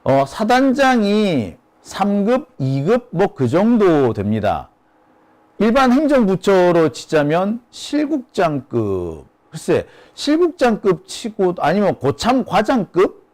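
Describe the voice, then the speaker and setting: A man's voice: high-pitched, huge pitch swings, slow pace, darkish tone. A man hosting a solo political commentary, speaking emphatically and asking rhetorical questions. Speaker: host of a political commentary channel.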